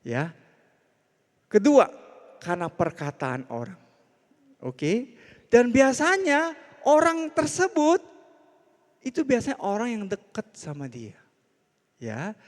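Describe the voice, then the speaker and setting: Lively high-voiced man preaching. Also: slow pace, pauses often. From Indonesia. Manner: animated, conversational, jokey. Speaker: pastor. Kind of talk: sermon. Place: church hall. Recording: hall reverb.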